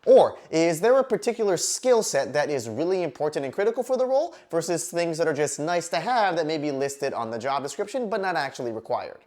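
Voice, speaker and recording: Lively, low-pitched woman giving advice. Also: brisk, few pauses. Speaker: career advice host, recruiter. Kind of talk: scripted instructional video talk to camera.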